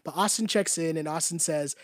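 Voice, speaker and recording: A man with a slightly high voice, worn thin because he is losing it, breaks down a basketball game in loose, chatty commentary. The sound is close and dry, with no room around it. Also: fairly quick, dry recording. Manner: conversational, repetitive, often asks "right?". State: losing his voice. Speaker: basketball show host. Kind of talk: casual sports commentary to a live chat.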